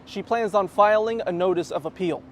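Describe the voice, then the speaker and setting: A man's voice: high voice, a little fast, slight background noise. A man reporting the news as a television reporter, reading a scripted report.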